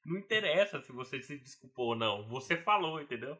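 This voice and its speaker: Speaking quickly in a sharp, expressive voice that runs on the high side, a Brazilian Portuguese-accented podcast co-host rambles through a casual conversation. He laughs a lot and keeps dropping "cara" and "entendeu" as fillers.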